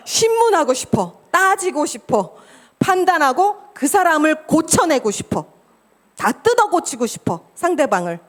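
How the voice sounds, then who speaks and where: Lively Korean woman pastor preaching. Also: high-pitched, unhurried. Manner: lively, laughs often, acts out quoted dialogue. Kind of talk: sermon.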